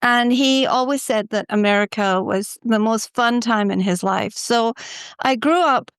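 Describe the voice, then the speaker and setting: A middle-aged Scottish woman, a podcast guest telling her life story in a reflective, unhurried way with filler pauses. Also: fairly high pitch, clear, resonant tone, dry recording. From Scotland. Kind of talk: casual interview storytelling.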